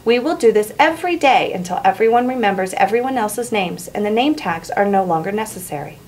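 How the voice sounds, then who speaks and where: A woman teacher giving clear, encouraging instruction, in the style of a lesson. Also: medium pitch, animated, fairly quick, darkish tone. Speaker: English teacher. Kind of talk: instructional narration and classroom teaching. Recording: roomy echo, faint background noise.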